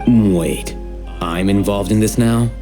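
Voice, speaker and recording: An actor playing a dry, aloof young male scholar in a video game, talking in a terse, deadpan way. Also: fairly low pitch, slow pace, soft background music.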